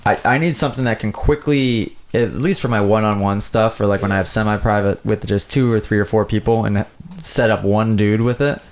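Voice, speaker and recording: A man in casual podcast conversation, telling stories in an animated way and often saying "like". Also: on the low side, a little fast. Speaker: motocross rider and coach, podcast guest. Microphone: podcast microphone.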